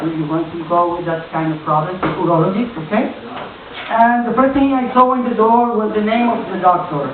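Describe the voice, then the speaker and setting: Colombian man doing halting stand-up. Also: high voice. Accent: Colombian Spanish. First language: Spanish. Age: 40s. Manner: halting, searching for words, many restarts. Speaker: stand-up comedian. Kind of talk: stand-up comedy set. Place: small comedy club. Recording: echoey tinny club recording from far off. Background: audience laughter.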